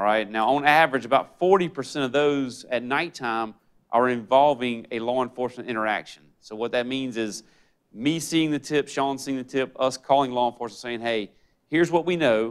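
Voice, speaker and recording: A man at medium pitch with ordinary pitch variation and a fairly quick pace. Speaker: school district safety director, former police officer. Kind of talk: presentation at board meeting. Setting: board meeting room. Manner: fast.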